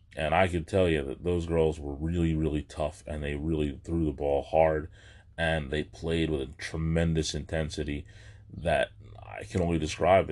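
A man talks at a moderate pace with a very deep, low pitch. His intonation stays fairly even over a quiet background. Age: 40s. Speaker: solo podcast host. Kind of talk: storytelling monologue.

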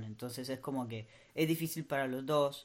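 A man speaks at a medium pitch. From Costa Rica. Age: 30s. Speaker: podcast co-host. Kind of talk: casual chat.

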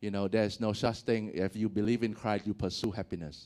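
A man speaks with a Vietnamese accent. The recording is very clean, with a silent background. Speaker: pastor. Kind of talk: sermon. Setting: church.

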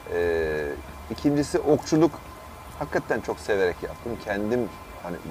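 Over noticeable background noise, a man with a fairly low pitch talks at a moderate pace, his pitch swinging very widely. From Turkey, Sakarya. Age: 40s. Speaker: archery coach and PE teacher. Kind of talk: interview.

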